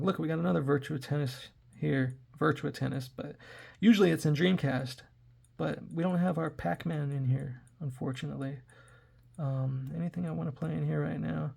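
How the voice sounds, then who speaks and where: A raspy-voiced man in his forties, hoarse from throat trouble, rambling casually to his viewers while he plays retro games. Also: on the high side. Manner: rambling, chatty, talks to viewers while playing. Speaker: tech reviewer playing retro games. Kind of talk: casual gameplay commentary.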